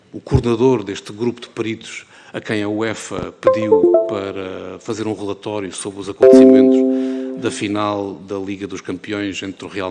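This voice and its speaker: A middle-aged man from the Algarve with a European Portuguese accent, giving a formal address at a parliamentary hearing, measured and full of hesitations. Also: fairly low pitch, gravelly, a little mellow, in a large hall. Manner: measured, with many filler "eh"s and restarts. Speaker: member of parliament chairing a hearing. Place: parliament committee room.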